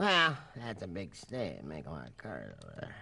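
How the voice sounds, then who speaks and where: In a cartoonish character voice, a man with a fairly low pitch makes very wide pitch swings at a moderate pace. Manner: gruff, blustery.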